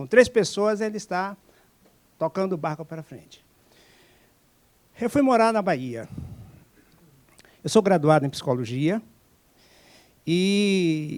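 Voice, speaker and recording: A man with a high-pitched voice speaks at a fairly slow pace, his loudness swinging widely and his speech broken by long, frequent pauses. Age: 70s. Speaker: hypnotherapist and psychologist. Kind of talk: lecture. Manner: halting.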